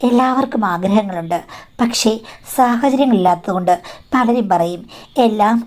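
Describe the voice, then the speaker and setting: A woman's voice: fairly high pitch, moderate pace, a little mellow. A woman narrating a first-person story in an earnest, confiding way.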